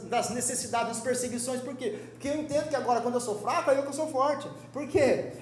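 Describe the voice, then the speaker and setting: A young man with a Brazilian Portuguese accent teaching a Sunday school sermon in a lively, joking, conversational way. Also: very high voice, roomy sound. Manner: lively, joking, conversational preaching with quoted voices. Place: church hall.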